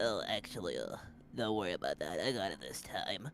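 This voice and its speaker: A man's put-on character voice at a fairly quick pace, with clear background noise. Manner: lazy, sleepy, casual.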